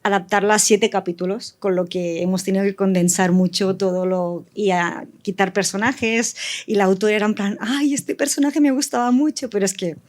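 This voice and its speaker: A woman's voice: medium pitch, steady tone, normal speed. A woman speaking informally as a panelist in a casual discussion, tentative and often correcting herself as she explains her work. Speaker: audio fiction writer and panelist.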